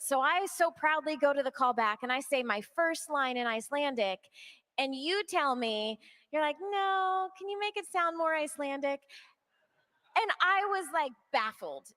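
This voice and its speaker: A woman voice actor on a live panel, telling an animated, self-deprecating story about her audition. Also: sits high, normal speed.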